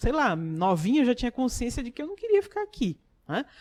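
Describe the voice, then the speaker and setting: A soft-spoken woman comes through in a dry, close sound with no echo. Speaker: spiritist lecturer. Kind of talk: spiritist talk. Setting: live talk with small audience. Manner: halting.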